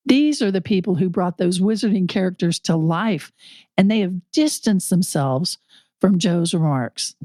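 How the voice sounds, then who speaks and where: Slightly raspy woman co-hosting a podcast. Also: on the low side, lively intonation, a little slow, mellow, no echo. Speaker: podcast co-host. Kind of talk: casual podcast chat.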